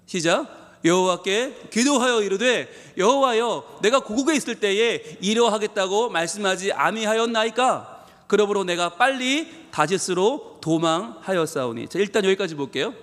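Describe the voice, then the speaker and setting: A man's voice: animated, moderate pace, fairly bright tone, long reverb tail. A man, a pastor, preaching a Sunday sermon with emphatic delivery, acting out a prophet's complaints. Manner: emphatic preaching, voicing Jonah's complaints with rising pitch. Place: church sanctuary.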